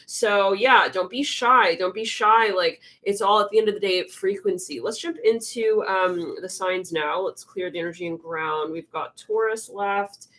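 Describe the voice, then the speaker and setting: A woman's voice: mid-range voice, measured pace, few pauses, a bit bright. A young woman hosting a live tarot stream, chatting casually with lots of fillers, her voice a little congested. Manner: rambling, filler-heavy, chatty, often murmurs to herself.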